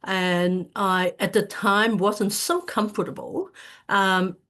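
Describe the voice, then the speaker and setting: A woman's voice: mid-range voice, steady tone, slow pace, a bit bright. Hesitant woman giving an online talk. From Hong Kong. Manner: hesitant, many fillers and restarts. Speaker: speaker at an online community event. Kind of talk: casual presentation talk.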